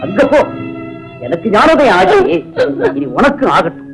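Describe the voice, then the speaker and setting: A man's voice: sits high, very animated, a little slow, rough recording. An actor playing a hot-tempered, self-accusing man in a 1980s film, speaking in grave, reproachful tones over film music. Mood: bitter reproach. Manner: shouting then grave, reproachful speech. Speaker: repentant villain in a film. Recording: film soundtrack with music behind.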